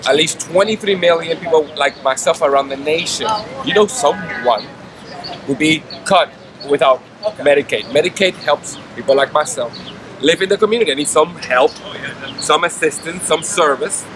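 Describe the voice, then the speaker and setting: A man's voice: a little high, moderate pace, crowd noise. A man in his thirties, a disability rights activist, speaking earnestly and insistently in a street interview outdoors. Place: city street outdoors with traffic. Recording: street traffic noise behind. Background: traffic and city ambience.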